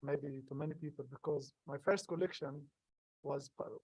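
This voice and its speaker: A young man from Gaza whose first language is Arabic, a poet answering questions at a live event, halting and earnest with many restarts. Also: fairly high pitch, steady tone, darkish tone, breathy edge, dry recording. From Gaza, Palestine. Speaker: poet, guest. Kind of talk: live conversation at a public event.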